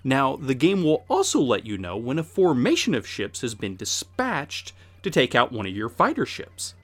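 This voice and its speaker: A man with a mid-pitched voice presents scripted explanatory narration about games. His intonation swings widely, landing emphatically on key words in measured phrases. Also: wildly swooping pitch. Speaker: retro game show narrator.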